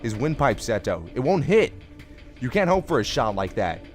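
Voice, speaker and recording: A man playing a desperate man in an audio drama, urgently pleading with his friend in halting bursts. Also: medium pitch, very animated, soft background music, lightly acted.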